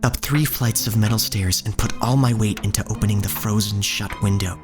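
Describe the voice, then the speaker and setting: A man playing a solemn narrator who tells of a poor street childhood in measured, scripted audio drama storytelling. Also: on the low side, steady tone, natural voice. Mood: somber, measured. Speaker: first-person narrator. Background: music.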